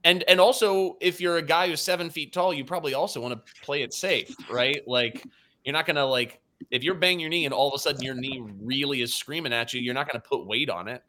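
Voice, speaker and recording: Brief: podcast co-host, bright clear voice, loose chatty delivery with stumbling restarts. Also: male voice, mid-range voice, a little hiss or hum. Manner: loose, halting, repeats words, swears casually. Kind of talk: casual sports chat.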